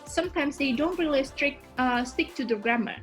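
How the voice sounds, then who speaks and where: Woman host, non-native speaker with Indonesian as her first language, high voice, chatty, faint music under. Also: normal speed. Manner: chatty, bubbly, lots of fillers and laughter. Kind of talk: casual interview questions.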